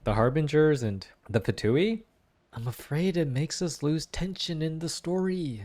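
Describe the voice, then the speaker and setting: Animated young guy reacting to a game. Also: a little high, measured pace. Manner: slangy, animated, exclamatory. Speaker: game streamer reacting to a story quest. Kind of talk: casual gaming reaction commentary.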